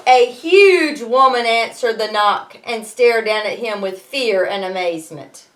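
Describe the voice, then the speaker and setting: A woman teacher reading a storybook aloud to students in an expressive way, pausing to explain things. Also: on the high side, poor audio.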